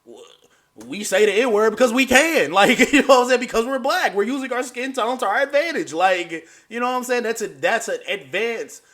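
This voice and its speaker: A man hosting a reaction video, talking in a loose, animated way and laughing through his points. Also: very high-pitched, fairly quick. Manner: animated, keeps saying "you know what I'm saying". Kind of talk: casual chat.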